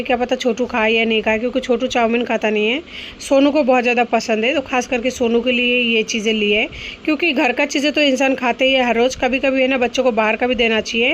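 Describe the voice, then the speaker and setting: A woman chatting casually in a home vlog and gently coaxing her child at home, with frequent tag questions. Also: on the high side, fairly even intonation, fast, lo-fi sound, a little hiss or hum. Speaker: vlogger and mother. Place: home kitchen and rooms.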